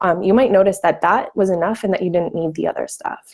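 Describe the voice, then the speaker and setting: At a fairly quick pace, a woman of medium pitch talks with fairly even intonation. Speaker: nutritionist. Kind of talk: live stream talk. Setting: live stream on social media. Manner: fast.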